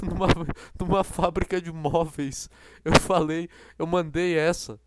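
A man's voice: sits high, smooth, dry recording. A young man hosting a podcast, telling a rambling, self-deprecating story with many restarts into a close mic. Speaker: podcast host. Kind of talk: casual monologue.

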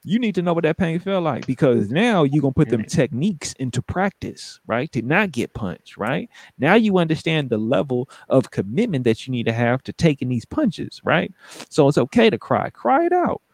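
A man's voice: on the high side, very animated, moderate pace, no room sound. A man talking in a casual conversation, reflective and emphatic, with a coaching way of speaking.

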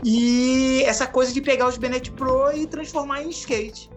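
A man in his late forties with a Rio de Janeiro Brazilian accent, telling his story as a podcast guest in a relaxed way, full of slang and laughter. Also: extremely high pitch, unhurried, soft background music. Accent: Rio de Janeiro Brazilian Portuguese. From Araruama, Rio de Janeiro state, Brazil. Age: 40s. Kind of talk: casual storytelling interview.

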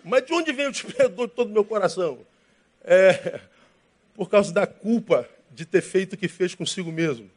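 Husky-voiced pastor spinning a lively story. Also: male voice, sits high, moderate pace. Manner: animated storyteller acting out both sides of a dialogue. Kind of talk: sermon told as an anecdote.

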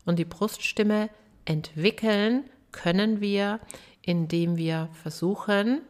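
A woman's voice: mid-range voice, takes it slowly. A woman voice coach hosting a podcast lesson, chatty and emphatic, checking in with the listener as she explains. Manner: chatty, addresses listener with tag questions; emphatic, lively. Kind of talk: casual spoken podcast lesson.

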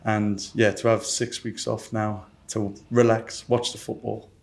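A man's voice: on the low side, flat delivery, unhurried, gravelly, a little mellow. A man with a Cardiff Welsh accent, chatting casually as a guest on a sports podcast. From Cardiff, Wales. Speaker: podcast guest, football fan leader. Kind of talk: casual chat.

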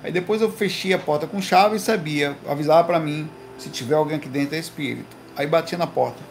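Man, gravelly voice, slangy animated livestream chat at home, faint music behind. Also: on the high side, fast. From Recife, Brazil. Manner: slangy, animated storytelling with lots of "velho" and "cara". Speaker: livestream host. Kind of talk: casual livestream chat with viewers. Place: home room.

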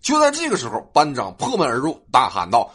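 A young man, hosting a comic storytelling monologue with a sing-song delivery and drawn-out particles. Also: mid-range voice, huge pitch swings, fairly bright tone, slightly rough. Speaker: host.

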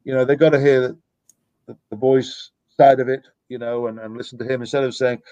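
A man's voice: mid-range voice, level tone, brisk, dark tone, no room sound, lo-fi sound. Middle-aged man, dry close sound. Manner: reflective, rambling with restarts. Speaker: youth soccer coach, guest. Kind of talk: casual podcast conversation. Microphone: podcast microphone.

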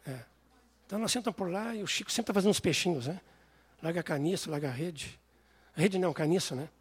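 A man preaching a sermon, telling stories with animated voices. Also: sits high, breathy edge. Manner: animated storytelling, acts out voices.

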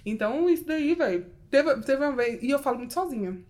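A young woman from Brazil chats at a fast clip. Her voice sits high, and she piles up casual fillers as she tells everyday stories. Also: expressive, a little mellow. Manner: rapid storytelling with fillers like tipo and véi. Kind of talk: casual chat.

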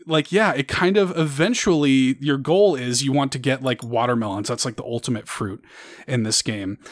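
A man hosts a podcast, chatting in an upbeat, rambling way with plenty of fillers. His voice is on the high side, and the clean studio sound has no echo.

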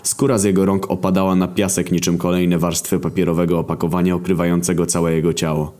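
A man narrating a crude comic story in a deadpan, sardonic way. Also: sits low, quick pace.

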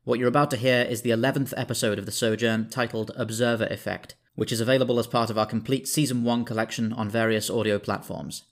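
A man's voice: medium pitch, steady tone, quick pace, few pauses. A man, the writer and director of an audio drama, giving a scripted introduction. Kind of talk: scripted narration.

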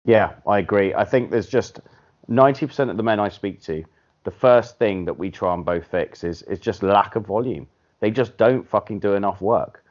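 A man hosting a podcast in casual chat, blunt and animated, swearing casually as he makes his points. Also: fairly low pitch, normal speed. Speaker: podcast host. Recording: dull lo-fi podcast audio.

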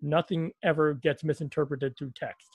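A man hosts a casual podcast, his voice sitting a little high and recorded dry and close. He rambles through jokes and sarcastic asides. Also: fairly even intonation, normal speed, husky, no room sound, dull audio. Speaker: podcast host.

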